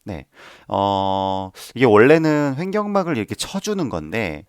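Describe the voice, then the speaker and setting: A man's voice: fairly low pitch, sing-song, unhurried, clean tone, no echo, studio quality. A man teaching a voice lesson, patiently explaining each step and demonstrating the sounds himself. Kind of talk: instructional voice lesson.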